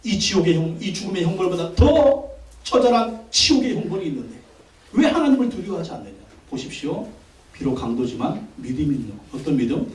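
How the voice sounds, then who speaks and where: A man's voice: fairly high pitch, expressive, fairly quick, a little mellow, far from the mic. A male pastor preaching a Sunday sermon with emphasis, repeating his phrases and asking the congregation questions. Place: church sanctuary. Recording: echoey church hall, voice from off-mic.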